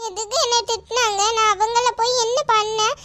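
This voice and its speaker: Woman doing a whiny little cartoon girl, tearful, very high squeaky voice. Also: steady tone, normal speed, pushed and bright. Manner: tearful, whining. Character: little schoolgirl Karthika, hurt and whiny. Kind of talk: cartoon voice acting.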